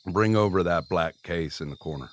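A man playing a gruff, stubborn, wounded man in a naturalistic audio drama, grumbling and curt. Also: deep voice, normal speed, slight background noise, natural voice. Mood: dry, easygoing.

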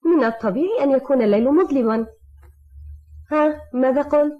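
A woman's voice: high-pitched, fairly quick, soft background music, close to an everyday voice. A woman voicing a worried, headstrong young woman in an Arabic cartoon dub, speaking urgently and pointedly. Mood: insistent. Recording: dull old TV dub soundtrack.

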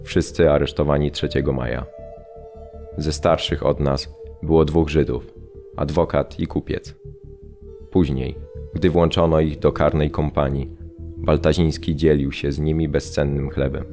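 An actor playing a sombre, restrained prisoner, recounting memories in a measured radio drama delivery. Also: male voice, a bass voice, flat delivery, dark tone, soft background music. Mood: sombre recollection. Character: Polish male camp prisoner recounting his arrival, sombre and restrained. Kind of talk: radio drama memoir narration.

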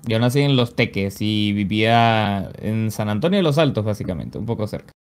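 A man's voice: fairly low pitch, normal speed, smooth. Venezuelan male, 25, easygoing interview guest on a headset, chatty fillers. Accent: Venezuelan Spanish. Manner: relaxed storytelling, frequent "básicamente" and "o sea". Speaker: guest, esports caster and pro player. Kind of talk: casual interview over video call. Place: small home streaming room. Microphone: headset on video call.

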